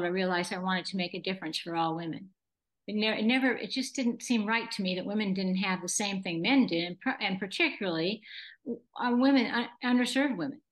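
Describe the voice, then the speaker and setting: A woman's voice: mid-range voice, a bit bright, low-quality recording. Gracious woman in her eighties. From Southern California. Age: 80s. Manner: gracious, enthusiastic, laughs easily. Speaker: guest. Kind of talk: casual interview chat.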